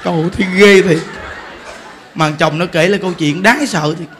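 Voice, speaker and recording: A man with a Southern Vietnamese accent giving a humorous Buddhist sermon, telling a story with lively repetition and frequent laughter. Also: sits high, moderate pace, a little hiss or hum. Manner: animated storytelling, repeats words, laughs often. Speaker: Buddhist preacher. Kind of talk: humorous dharma talk.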